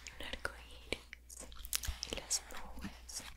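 A soft-spoken woman is whispering. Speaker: ASMR creator. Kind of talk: soft whispery ASMR roleplay talk. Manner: soft close-mic whisper. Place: home room. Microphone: studio mic.

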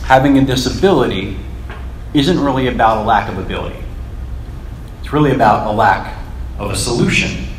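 At a fairly quick pace with ordinary pitch variation, the voice shows big swings in loudness, with audible room echo and light background noise. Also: man. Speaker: conference presenter. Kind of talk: conference talk. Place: hall.

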